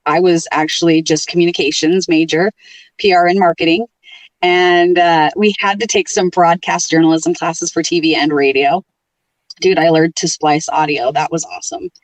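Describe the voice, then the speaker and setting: A middle-aged woman who works in radio, chatting casually and telling stories in an animated way as a podcast guest. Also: fairly low pitch, moderate pace, no echo, recorded from a distance, low-quality recording. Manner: animated storyteller, lively tone. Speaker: radio programmer and on-air host, podcast guest. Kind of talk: casual interview chat.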